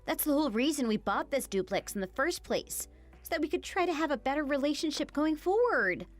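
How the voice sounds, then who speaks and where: Woman doing a hurt young wife, earnest and pleading, fairly high voice, lively, soft music underneath. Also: a little fast. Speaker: daughter-in-law. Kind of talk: animated story voice acting.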